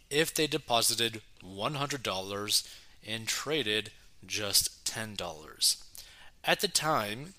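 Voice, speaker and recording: A young man reading a news article aloud and breaking off to react with excitement, filling his talk with "like" and "right?". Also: on the low side. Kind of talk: casual news reaction commentary.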